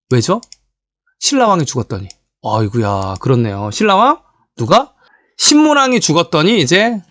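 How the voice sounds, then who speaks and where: A man's voice: a little high, no room sound. A man giving a live history lecture who talks straight to his viewers, asking rhetorical questions and stressing key points. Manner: animated, rhetorical questions, addresses viewers directly.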